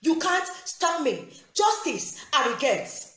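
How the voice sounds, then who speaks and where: A woman's voice: high-pitched, very animated, slow, a bit bright, roomy sound. A woman making an angry, confrontational appeal as a mother, repeating her phrases as she hammers her points home. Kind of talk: angry recorded video rant.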